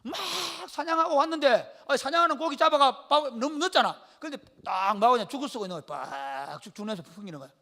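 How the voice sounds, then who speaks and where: A pastor with a Gyeongsang accent delivers a folksy sermon, joking with his congregation and calling on people by name. His voice sits high for a man and swings widely in pitch, with a bright, sharp edge. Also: fast, few pauses. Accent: Gyeongsang Korean. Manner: lively storytelling, calls on listeners by name; colloquial, jokes with the congregation.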